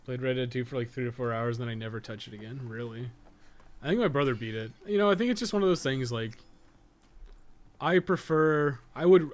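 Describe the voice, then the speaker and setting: A man chatting casually as he livestreams a game, rambling, rephrasing his points and swearing casually. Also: mid-range voice. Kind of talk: casual chat while playing, answering viewers.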